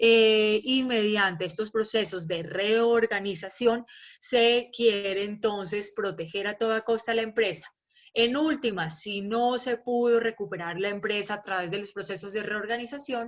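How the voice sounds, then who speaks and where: In a normal speaking voice, a woman with a fairly high pitch talks fairly slowly, her pitch varying in an ordinary way. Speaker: law professor. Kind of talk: lecture.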